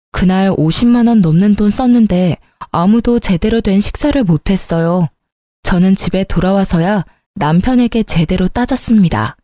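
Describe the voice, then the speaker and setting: Woman storyteller, scripted narration, matter-of-fact, mellow, dry. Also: medium pitch, dry recording.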